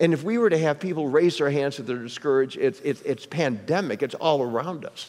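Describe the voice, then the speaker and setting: Using an unremarkable speaking voice, a man talks at a fairly quick pace with a fairly high pitch and lively intonation. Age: 60s. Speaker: pastor. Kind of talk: sermon. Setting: church.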